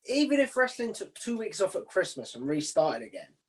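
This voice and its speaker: A man's voice: high-pitched, wildly swooping pitch, a little fast. A man hosting a casual interview in an informal, matey, conversational way. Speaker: interviewer, video channel host.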